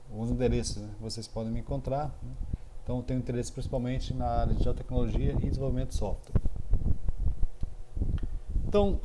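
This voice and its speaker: A Brazilian professor from Minas Gerais with a mineiro accent, giving a course lecture with many fillers. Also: male voice, medium pitch. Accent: Brazilian Portuguese, mineiro. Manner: filler-heavy, frequent "né", loose explanatory pacing. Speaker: university computing professor. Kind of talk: recorded online course lecture. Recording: noisy recording with clicks.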